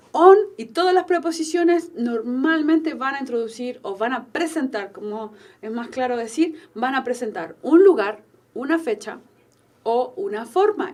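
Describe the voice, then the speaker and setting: Chilean lady teacher, high voice, walks you thru grammar slow and patient, keeps asking "¿sí?". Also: a little mellow. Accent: Chilean Spanish. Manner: explains patiently, checks in with "¿sí?" and slows down on English example sentences. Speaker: English teacher. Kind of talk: recorded online grammar lesson.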